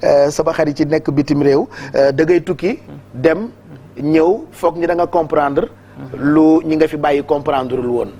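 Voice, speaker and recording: Senegalese TV host, steady questioning. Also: male voice, a little high, normal speed. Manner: steady interviewer, many short affirmations. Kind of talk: TV studio interview. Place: TV studio.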